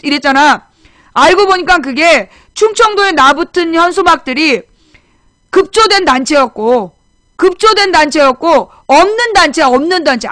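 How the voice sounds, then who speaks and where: Hosting a political talk show, a woman chats bluntly and scolds, repeating her points to drive them home in casual commentary. Her voice is very high and a bit bright, captured in a dry recording.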